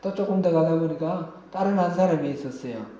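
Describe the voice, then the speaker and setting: A man's voice: fairly high pitch, a little fast, mellow. A man pastor preaching a midweek sermon in a church, telling personal anecdotes in a conversational way. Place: church sanctuary. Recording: very echoey church hall.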